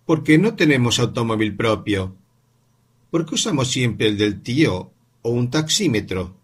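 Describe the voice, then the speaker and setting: A man's voice: very animated, unhurried, husky. A man doing a curious little boy. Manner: eager questioning, rising pitch. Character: curious insistent young boy. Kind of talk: audiobook character reading.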